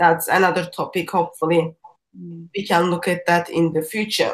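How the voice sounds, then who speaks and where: Speaking with a non-native accent, a woman uses a fairly low pitch and monotone, flat intonation. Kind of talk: live stream discussion. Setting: online live stream. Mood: critical, mildly mocking. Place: home room. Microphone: webcam.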